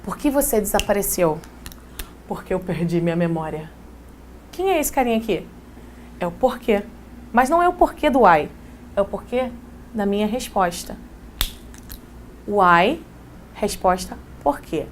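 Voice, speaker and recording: A woman's voice: mid-range voice, very animated, a little slow, pauses often, a little hiss or hum. A woman giving a casual exam-prep English lesson, talking straight to her students. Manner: casual, chatty teacher who addresses students directly. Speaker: English teacher.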